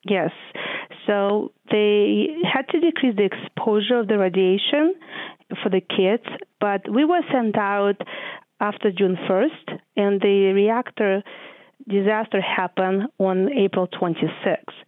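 A woman's voice: medium pitch, takes it slowly, no echo, phone-quality sound. A woman in her forties with a Belarusian accent, speaking conversationally as a guest in a radio interview and recounting memories. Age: 40s.

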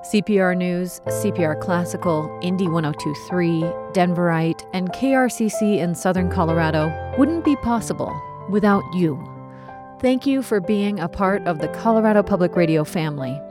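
A woman reading a scripted thank-you announcement for a public radio station, deliberate and gracious. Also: fairly low pitch. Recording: over a music bed.

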